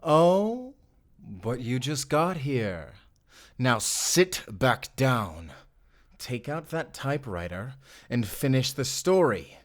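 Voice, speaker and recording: A man playing a suave, menacing fantasy villain in an audio drama, speaking with theatrical, deliberate politeness and command. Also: mid-range voice, very animated. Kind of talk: audio roleplay acting.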